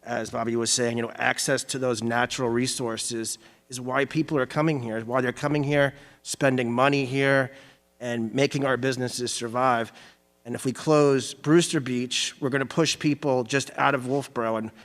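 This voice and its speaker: A man's voice: medium pitch, steady tone, moderate pace, a bit bright. A man giving a spontaneous answer as a local candidate, repeating phrases as he builds his point, in an echoing hall. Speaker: candidate for town selectman. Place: arts center hall. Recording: long hall reverb.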